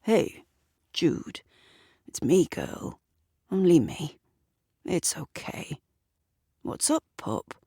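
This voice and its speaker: Weary husband, quiet and pleading, low and unhurried, read by a woman, dry sound. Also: animated, dry recording. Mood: gentle. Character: weary, sad husband, subdued man.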